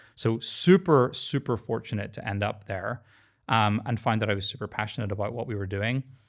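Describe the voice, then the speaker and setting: A man with a Northern Irish accent speaks at a fairly quick pace in an enthusiastic tone, with a medium pitch and ordinary pitch variation. The recording is very clean, with a silent background. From Northern Ireland, Belfast. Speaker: tech executive. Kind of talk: interview.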